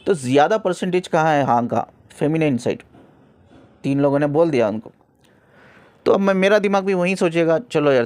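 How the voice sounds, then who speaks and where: A man's voice: mid-range voice, warm tone, no room sound. A man working as a spiritual counselor, telling a client's story earnestly and acting out the quoted calls. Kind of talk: spoken storytelling talk.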